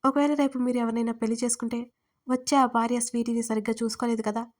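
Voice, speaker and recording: A woman's voice: a little high, level tone, fast talker, darkish tone, lightly acted. A woman voicing an earnest young woman in an audio story, speaking with tearful, pleading urgency. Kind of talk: audiobook character reading.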